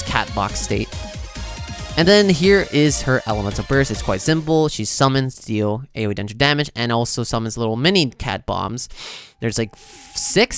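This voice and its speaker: A man hosts a casual gaming reaction video in a mid-pitched voice. He explains things conversationally, dropping in small filler asides as he goes. Music plays behind him. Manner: conversational, explanatory, frequent "you know" asides. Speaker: video host reacting to game character preview. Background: background music.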